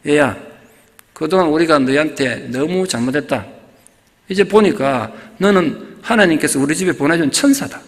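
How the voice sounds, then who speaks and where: A man's voice: fairly high pitch, expressive, moderate pace, close to an everyday voice. A humble older mother-in-law asking forgiveness, quoted by a preacher. Her apologetic words rise and fall freely and ring out in a long church reverb.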